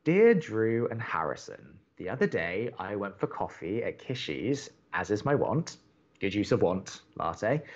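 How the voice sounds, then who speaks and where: An actor playing an earnest, awkward young college radio co-host in a romantic comedy podcast, hesitant and stammering. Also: male voice, lowish voice, lo-fi sound. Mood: cheerful, coaxing. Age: young adult.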